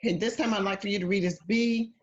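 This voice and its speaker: A woman's voice: mid-range voice, steady tone, fast. A woman teaching an English conversation class over a video call, patient and encouraging. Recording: dull lo-fi video call audio.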